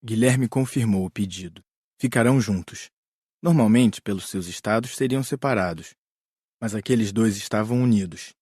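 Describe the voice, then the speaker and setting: A man's voice: lowish voice, normal speed, a little mellow, husky, dry recording, clean studio sound. A man with a Brazilian accent playing a kindly, reassuring spirit rescue worker in an audiobook. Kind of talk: audiobook character dialogue.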